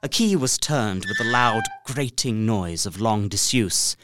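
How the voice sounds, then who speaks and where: A man's voice: lowish voice, expressive, measured pace. An actor playing an earnest young solicitor, narrating his journey formally in a dramatised Gothic story. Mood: uneasy, awed. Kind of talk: dramatic first-person literary narration.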